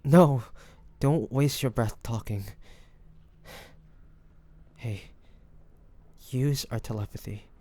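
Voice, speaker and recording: A man's voice: medium pitch, slow, pauses often, warm tone. A man playing a devoted fantasy adventurer and healer in an audio roleplay, speaking intimately and earnestly. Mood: frantic, worried. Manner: intimate, earnest, with breathy sighs. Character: devoted fantasy adventurer and healer, tender toward his dragon beloved. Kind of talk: dramatic audio roleplay addressed to the listener.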